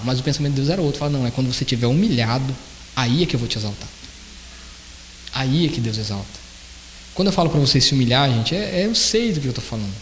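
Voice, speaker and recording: Male preacher, high and quick, conversational sermon, echoey church hall. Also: a little hiss or hum. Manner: conversational, animated, personal testimony.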